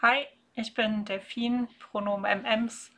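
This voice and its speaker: A woman's voice: a little high, steady tone, unhurried, fairly bright tone. A woman in her twenties from North Rhine-Westphalia in Germany, co-hosting a podcast and introducing the guest. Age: 20s. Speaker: podcast co-host.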